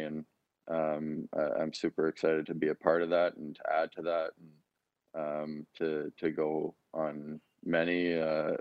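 A man's voice: extremely low pitch, dry recording, highs cut off. A young man answering press conference questions, hesitant, with many fillers and restarts. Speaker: interviewed hockey player.

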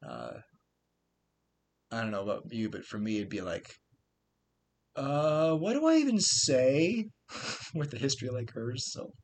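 A man's voice: medium pitch, big pitch swings, unhurried, pauses often. A man hosting a podcast interview, talking casually with plenty of fillers and restarts. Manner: rambling, filler-heavy, chatty. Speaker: podcast host.

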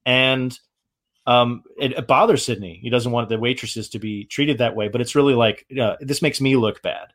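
Halting man in casual film talk. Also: medium pitch, fairly bright tone. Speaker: film discussion host. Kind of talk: casual film commentary chat.

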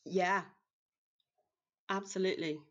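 A woman from Brazil with a Brazilian accent, a Portuguese speaker talking in English as an interview guest, in a halting, easygoing way with many pauses and restarts. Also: on the low side, fairly even intonation, muffled recording. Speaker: guest, house cleaner. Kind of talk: casual interview chat.

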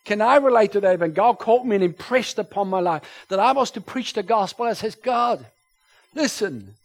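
A man whose first language is German, preaching a sermon to a congregation, his voice rising loud when he quotes scripture. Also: high-pitched, expressive, normal speed. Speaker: pastor. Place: church.

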